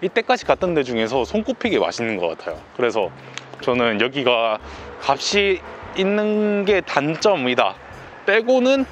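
A man's voice: mid-range voice, big pitch swings, moderate pace, a little hiss or hum. A man speaking through a face mask, wrapping up a casual food vlog in an upbeat, emphatic way. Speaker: food vlogger. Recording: background music.

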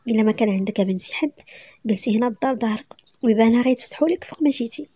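Brief: woman playing a soft-spoken pious uncle, storybook reading, dark and husky. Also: a little high, rapid-fire, dry recording, clean studio sound. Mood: gentle consoling. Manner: calm, consoling, religious phrases. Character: kindly older man, pious uncle figure.

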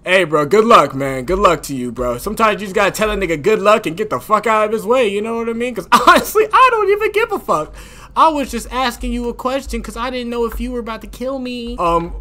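Loud, animated young male streamer. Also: high-pitched. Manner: loud, profane, joking, excitable. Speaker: gaming streamer. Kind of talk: let's play commentary.

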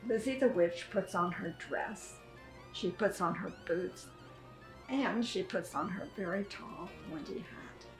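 An elderly woman reading aloud to young children as a preschool teacher, with simple, deliberate phrasing. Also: mid-range voice. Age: 70s or older. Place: furnished sitting room indoors. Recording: echoey room, music behind.

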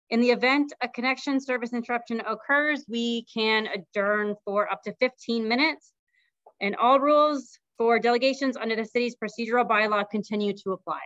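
A woman's voice: a little high, fairly bright tone, no echo. A woman facilitating a committee meeting, moving between informal remarks and procedural reading. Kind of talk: procedural meeting talk, partly read out. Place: meeting room, hybrid video call. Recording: dull, muffled meeting audio.

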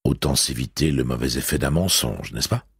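A curt, sardonic blind man from an audiobook, voiced by a man. He grumbles in a very deep, gravelly register. His tone is cold and clipped. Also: animated, moderate pace, fairly bright tone, no room sound, studio quality, exaggerated voice.

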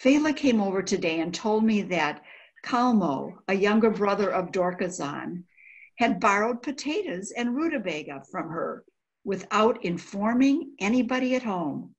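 An older woman gives a dramatic, emotional, halting reading of a diary. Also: mid-range voice, lively intonation, lo-fi sound. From United States. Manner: emotional, halting, sighing delivery. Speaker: volunteer diary reader. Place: indoor room by a window.

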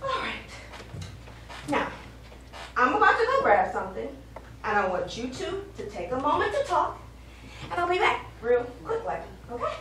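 Woman playing bossy, high-pitched stage manager Billy, far off. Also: big pitch swings, normal speed, pauses often, bright, forceful tone, reverberant, slight background noise, heavily acted. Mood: brisk, coaxing. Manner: brash, emphatic, sardonic. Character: bossy, exasperated, foul-mouthed theatre stage manager Billy. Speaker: stage actor. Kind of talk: live stage comedy acting. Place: small indoor theatre stage. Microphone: far camera.

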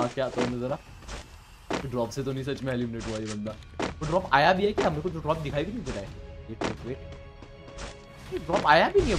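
A young man with a sore throat, commentating his own gameplay in Hindi-accented speech, yelping when surprised and otherwise keeping his voice low. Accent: Indian Hindi. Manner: excitable, yelps loudly when surprised, speaks softly to spare his throat. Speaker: gaming YouTuber. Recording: game music and gunfire behind.

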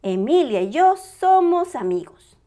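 A woman's voice: sits high, sing-song, a little slow, warm tone, pitched above the performer's own voice. A woman voicing an eager, polite little boy bear cub from a storybook, childlike and earnest. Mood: proud, excited.

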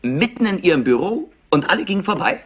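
An actor playing a clever, overexcited and smug rich nephew in a German crime drama, talkative and theatrical. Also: male voice, high-pitched, sing-song, quick pace, slightly rough, full character voice. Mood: eager, theatrical. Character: highly intelligent, overexcited, smug nephew of an industrialist. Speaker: actor dubbing a suspect. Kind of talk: German crime drama dub, animated acting.

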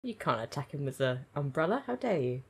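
A woman giving excited, gushing reaction commentary as she watches an anime episode, speaking into her own microphone. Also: sits low, a little fast, vocal fry, breathy edge, soft background music. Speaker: anime reaction channel host. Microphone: own desk microphone.

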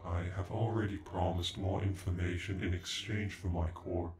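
A man's voice: low-pitched, little pitch movement, moderate pace, noisy background, close to an everyday voice. A man voicing a proud, cold male android in an ASMR roleplay, with stilted, formal speech that can stutter like a glitch. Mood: stern, demanding. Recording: echoey, with background music.

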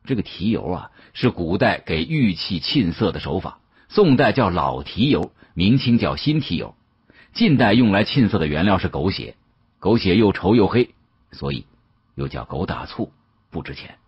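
Male audiobook narrator, strongly husky, dull recording, dramatic first-person delivery. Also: deep voice, very animated, moderate pace.

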